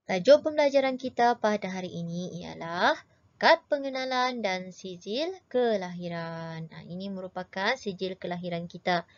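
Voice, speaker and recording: A woman teaching a primary school class with a Malaysian Malay accent, slow, patient and encouraging, reciting poems with dramatic intonation. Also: mid-range voice. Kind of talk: online lesson. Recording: dry, dull lo-fi audio.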